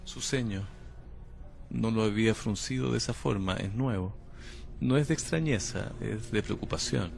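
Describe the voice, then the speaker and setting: An actor playing a calm, cryptic male patient who claims to come from the future, speaking in a slow, measured, unsettling way. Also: lowish voice, creaky, music in the background. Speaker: patient under interview. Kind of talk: audio drama acting.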